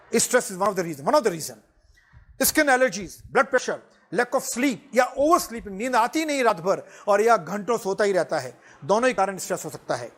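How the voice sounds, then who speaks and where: A middle-aged man giving a lively motivational lecture to students, often chuckling and slipping into English phrases. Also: high-pitched. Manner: animated, chuckling, switches freely into English phrases.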